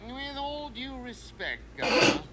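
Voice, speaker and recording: A woman playing a proud, defensive academy commander in an animated series, formal and haughty. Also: high-pitched, a little slow. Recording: very noisy soundtrack.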